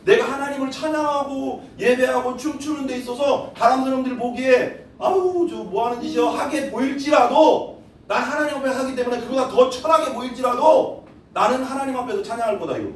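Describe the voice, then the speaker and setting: A man preaching a sermon as pastor, animated, quizzing the congregation and acting out quotes. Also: extremely high pitch, a little fast. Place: church sanctuary. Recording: echoey hall from far off, faint noise.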